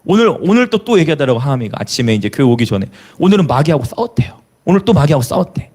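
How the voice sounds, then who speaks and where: Preacher guy, highish voice that jumps around a lot, tosses questions at the crowd. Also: fast talker. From Jeolla, South Korea. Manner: lively preaching with rhetorical questions and hallelujahs; chuckles between remarks. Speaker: pastor. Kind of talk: sermon.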